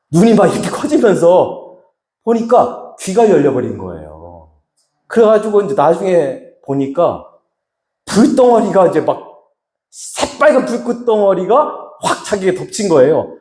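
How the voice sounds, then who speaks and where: A middle-aged man from Chungcheong giving a dramatic, emotional testimony sermon as a healing minister, going from loud to hushed. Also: high voice. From Chungcheong, Korea. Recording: echoey hall.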